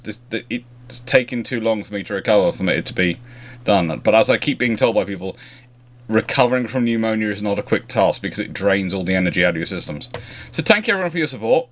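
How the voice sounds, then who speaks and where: Speaking quickly and with lots of energy in a fairly low voice, this man runs a live stream answering naval history questions. His style is loose and conversational, drifting off topic and often abandoning sentences halfway.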